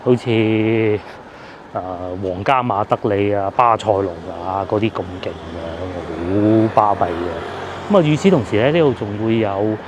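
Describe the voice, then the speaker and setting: A man's voice: fairly low pitch, a little slow, background noise. Chatty Cantonese man on a scooter. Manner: chatty, rambling with fillers. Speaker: food vlogger. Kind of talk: casual vlog narration. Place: outdoors on village streets.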